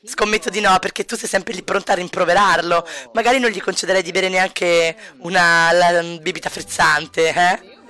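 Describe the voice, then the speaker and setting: A man's voice: high voice, steady tone, moderate pace, bright, forceful tone. A man voicing a laid-back, cocky joker in a life-sim game playthrough, teasing and ribbing in an easygoing way. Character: lazy, joking, cocky man who teases.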